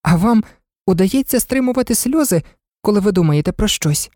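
A woman's voice: medium pitch, expressive, normal speed, dark tone, dry recording, studio quality, voice pushed up, lightly acted. A woman voicing a polite, curious seven-year-old girl. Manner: polite, earnest.

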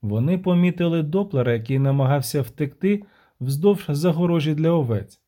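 A man narrating a fantasy audiobook in an expressive storytelling manner. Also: on the high side, normal speed.

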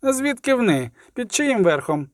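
A swaggering outlaw with a rough, folksy tongue, as a male reader puts him on. He swings his lively voice high and low while bluffing his way through, and the sound is close and dry. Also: moderate pace, no echo. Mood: gleeful. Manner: boastful, rough folksy slang. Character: brash swaggering male outlaw, smooth liar.

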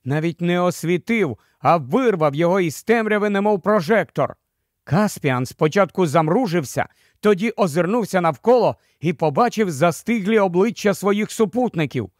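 A man reading a storybook aloud as narrator, in a measured, expressive way. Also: high voice, no room sound, clean studio sound. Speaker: audiobook narrator.

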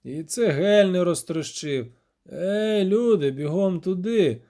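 An outraged town mayor who fusses and barks orders, his words drawn out for emphasis, as a male narrator puts him on. The pitch sits high and moves a lot. The tone is mellow. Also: animated, slow, heavily acted. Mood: indignant. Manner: indignant, bossy. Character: man, grim town mayor, fussy and indignant.

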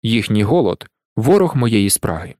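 A man voicing a gaunt, gloomy Parisian gravedigger who speaks low, quiet and self-important, in an audiobook. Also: sing-song, normal speed, no echo, studio quality. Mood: solemn.

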